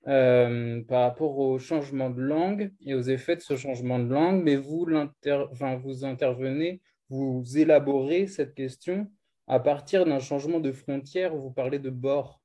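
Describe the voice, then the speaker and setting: Polite man with mellow voice. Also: mid-range voice, normal speed. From Brittany. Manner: polite, thoughtful, hesitant. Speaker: audience member asking a question. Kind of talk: question at a lecture.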